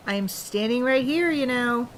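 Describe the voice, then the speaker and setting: A woman's voice: fairly high pitch, lively intonation, normal speed, a little hiss or hum, natural voice. A woman playing an indignant, self-pitying older townswoman in an audio drama, with a haughty, affronted manner. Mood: huffy, grudging.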